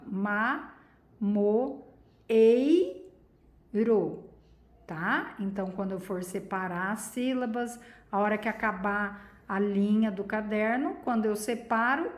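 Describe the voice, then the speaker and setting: This recorded children's lesson features a Brazilian woman whose voice sits a little high, with reverberation around it. Speaking with a Brazilian Portuguese accent, she guides the primary school class by patiently posing questions and drawing out important words.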